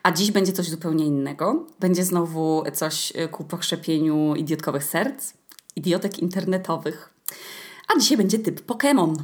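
A woman's voice: on the low side, normal speed. A young woman hosting a podcast, talking in a chatty, colloquial and playfully ironic way. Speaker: podcast host. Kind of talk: casual solo podcast monologue.

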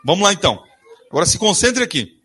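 In a church, a man with a high, husky voice and a sharp tone preaches a very animated sermon at a quick pace. He reads Bible verses aloud and questions his congregation, then answers his own questions.

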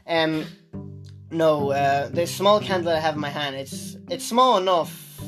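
A man's voice: on the high side, a little slow, music in the background. A young man from Ireland with an Irish accent, co-hosting a casual podcast and rambling with many restarts, recorded on a phone. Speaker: podcast co-host. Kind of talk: casual chat. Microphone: phone on the table.

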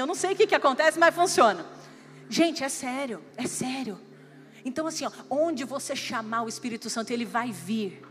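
High-voiced Brazilian woman pastor preaching. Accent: Brazilian Portuguese. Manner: animated preaching, rising to shouts. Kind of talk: sermon. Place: church or conference hall. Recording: reverberant hall with faint music.

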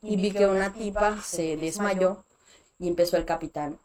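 A young Mexican woman with a Mexican accent, telling personal stories in a casual chat, full of fillers and animated asides. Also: medium pitch, normal speed. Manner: chatty, animated, many fillers like "este". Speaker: guest.

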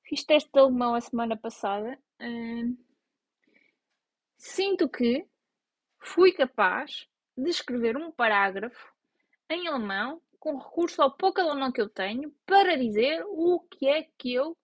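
A young woman with a European Portuguese accent talks to her viewers in a loose, self-mocking way. Her voice sits a little high, and the recording is close and dry, with no room sound. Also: measured pace, no echo. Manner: chatty, self-mocking, animated. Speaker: vlogger. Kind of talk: casual chat to camera.

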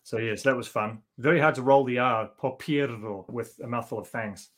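A man's voice: mid-range voice, normal speed, noisy background. A man on a panel, an actor telling easygoing stories from a film shoot with frequent chuckles. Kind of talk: anecdotal panel storytelling.

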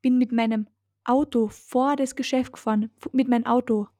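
Austrian girl cohost, blunt, swears casually, mellow voice, dry close mic. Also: a little high, steady tone, normal speed, no echo. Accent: Austrian German. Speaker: podcast co-host. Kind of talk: casual chat.

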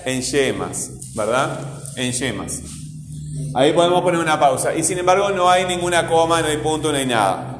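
A man's voice: on the high side, lively intonation, moderate pace. A male teacher giving a class lesson, quizzing his pupils and often checking in with a questioning "right?". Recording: echoey room with long reverb, faint noise.

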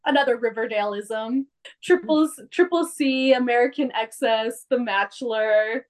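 A young woman with a fairly high voice tells a TV episode's plot in casual podcast chat. She acts out each character's lines, her voice leaping up and down as she goes. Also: measured pace. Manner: animated storyteller, acts out characters' lines with big pitch jumps. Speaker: podcast co-host recapping a TV episode.

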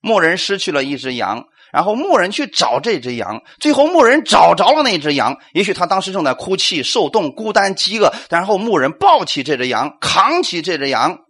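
A man's voice: high-pitched, very animated, a little fast, few pauses, a bit bright, breathy edge. A male pastor preaching a sermon, asking rhetorical questions, acting out quotes and calling for amens.

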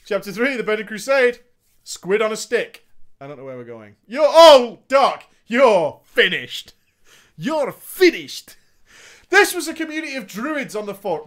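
A man's voice: sits high, a bit bright. A man reading a gaming story aloud, breaking off for sarcastic comic asides and frequent laughter. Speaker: story reader.

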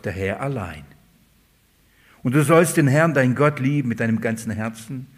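A man preaching a Bible-study sermon conversationally, asking rhetorical questions and repeating key words. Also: medium pitch. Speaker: pastor.

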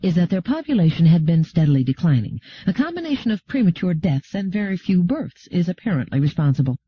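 A man voicing a stern, proud woman aristocrat who speaks in a clipped, sharp way. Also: high voice, big pitch swings, quick pace, breathy edge, no echo, full character voice. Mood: cool. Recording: dull lo-fi recording.

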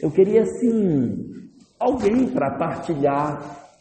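A man's voice: high-pitched, expressive, takes it slowly, dark tone, pitched above the performer's own voice. A man voicing a fickle young man who complains to God, pleading and then exasperated. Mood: wistful. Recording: echoey hall, faint noise.

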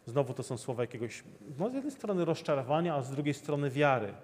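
A man's voice: a little high, very animated, fast talker, a little mellow. A man preaching a sermon, earnestly repeating rhetorical questions to his listeners. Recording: long hall reverb.

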